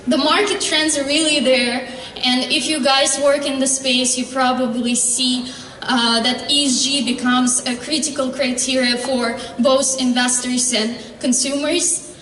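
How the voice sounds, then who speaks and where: Startup founder, woman, high voice, earnest pitch with frequent pauses and fillers, heard from afar. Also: fairly even intonation, a bit bright. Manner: earnest, halting with fillers and restarts. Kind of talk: pitch presentation and Q&A. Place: convention hall stage. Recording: echoey hall, distant mic.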